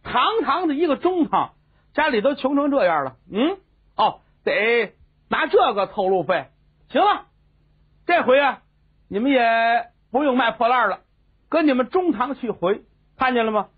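A man's voice: very high-pitched, big pitch swings, measured pace, husky, pitched above the performer's own voice, full character voice. A man voicing a scheming, fawning male court minister, wheedling and needling in a story telling. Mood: mocking. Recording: tinny phone-like sound.

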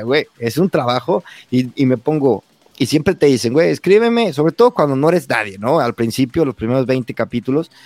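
A Mexican man in his thirties, a podcast host telling his story in a relaxed chat, acting out quoted lines with lively voices. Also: on the high side, no room sound. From Mexico, San Luis Potosí. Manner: animated, acts out quoted dialogue, says güey constantly. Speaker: podcast host being interviewed. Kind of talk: casual conversation.

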